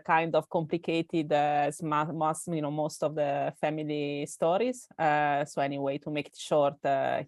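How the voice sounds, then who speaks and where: A woman's voice: sits low, darkish tone, no room sound, studio quality. A woman from Italy, a native Italian speaker with an Italian accent, chatting as an interview guest, hesitant with many fillers and restarts. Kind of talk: casual interview chat.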